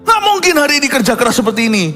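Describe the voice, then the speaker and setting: A man's voice: very high voice, sing-song, rapid-fire, sharp tone, voice pushed up, exaggerated voice. A man voicing a defensive middle-aged husband who insists to his wife that he loves her. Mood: insistent. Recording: long hall reverb, faint music.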